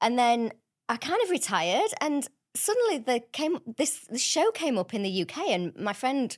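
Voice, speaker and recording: Very wide pitch swings in an English accent, on a very clean recording with a silent background. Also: woman. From England. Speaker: retired professional ice skater. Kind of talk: casual chat.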